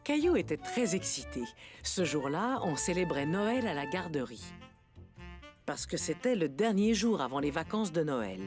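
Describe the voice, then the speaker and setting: A kindly cartoon storyteller. Her voice sits a little low and moves with lively expression, with clear music behind the scripted narration. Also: moderate pace. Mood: gentle, storytelling. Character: kindly storyteller narrating a small child's adventures.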